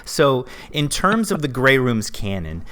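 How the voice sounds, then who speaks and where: A man's voice: medium pitch, sing-song, unhurried, a bit bright, clear, resonant tone. A man hosting a podcast interview in casual chat, informal and a little scattered and apologetic.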